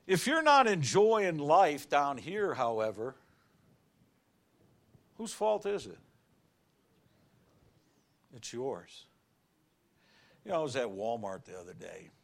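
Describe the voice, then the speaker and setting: A middle-aged male pastor preaching a sermon in a folksy, animated way, shouting on key words and telling everyday stories. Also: fairly high pitch, takes it slowly, creaky, pauses often.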